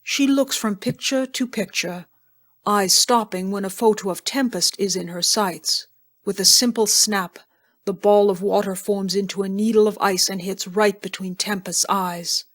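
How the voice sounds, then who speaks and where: Female narrator for an audio drama, mid-pitched, measured and descriptive, reading scripted scene directions. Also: steady tone.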